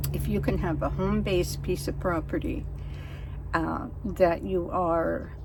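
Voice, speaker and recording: Room echo is audible around this female voice. She talks rather slowly. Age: 70s. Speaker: full-time nomad vlogger. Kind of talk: casual vlog talk. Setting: outdoors by a river. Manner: halting, with fillers.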